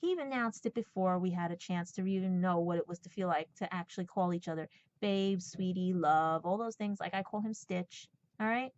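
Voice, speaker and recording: A woman's voice: lowish voice, brisk, darkish tone. A woman in her forties giving a blunt, sarcastic personal rant, swearing and checking in with "right?" and "okay?". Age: 40s. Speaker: podcast host. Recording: dull, lo-fi sound.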